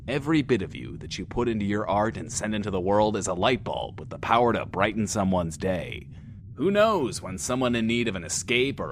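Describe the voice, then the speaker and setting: A brash post-apocalyptic radio host, a man with a lowish voice that moves animatedly. He is theatrical and sardonic, holding forth like an audio drama DJ, with slight noise behind him. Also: fairly bright tone. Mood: rousing. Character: brash, wry male post-apocalyptic radio DJ, grandly rousing. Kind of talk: in-world radio show monologue in audio drama.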